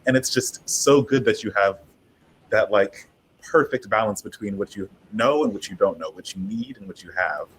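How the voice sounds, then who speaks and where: Man, quite low voice, effusive, casual panelist, lots of filler likes, faint background noise. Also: moderate pace, low-quality recording. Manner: effusive, heavy use of "like". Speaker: panelist, audio drama creator.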